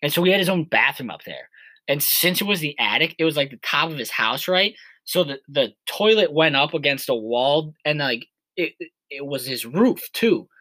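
Rambling twenty-something male co-host, bright tone, dry booth sound. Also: on the high side, animated, normal speed, dry recording. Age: 20s. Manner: rambling, heavy on filler words. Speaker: podcast co-host. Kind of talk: casual chat.

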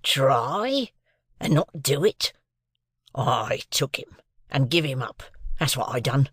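A reader voicing a hard, disdainful male convict who talks low, muttering and half-whispered. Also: big pitch swings, takes it slowly, a bit bright, breathy edge, no echo, studio quality, exaggerated voice. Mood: scornful.

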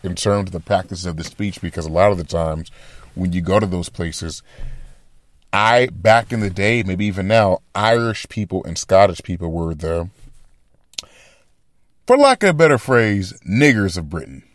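Podcast host, man, deep voice, loose thinking-aloud monologue, dead dry mic. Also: expressive, normal speed, no echo. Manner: rambling, thinking aloud with restarts. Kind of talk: casual commentary monologue.

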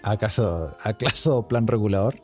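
A man's voice: on the low side, moderate pace, darkish tone, soft background music. A man with a Chilean Spanish accent co-hosting a casual chat, joking, laughing often and using a lot of slang. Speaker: podcast co-host.

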